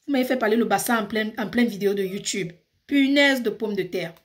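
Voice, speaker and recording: A woman's voice: mid-range voice, fairly quick. A woman with a Cameroonian accent, ranting passionately in a casual vlog and switching between French and English. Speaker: YouTuber. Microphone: phone.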